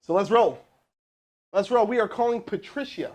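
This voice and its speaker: A fired-up man coaching cold calls live from a room full of crew, his voice sitting a touch high. He talks fast and loose, hyping the viewers between calls. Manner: energetic, pumped-up, casual, with chatty asides. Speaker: sales trainer hosting a live stream. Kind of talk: hyped live-stream coaching and cold calling. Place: indoor room with crew present.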